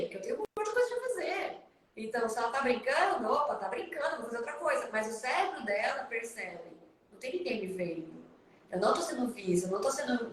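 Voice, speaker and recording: A woman in her thirties with a Brazilian accent, giving parenting advice live over a video call, fast and emphatic. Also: a little high, heavy reverb, distant mic, a little hiss or hum. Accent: Brazilian Portuguese. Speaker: parenting consultant.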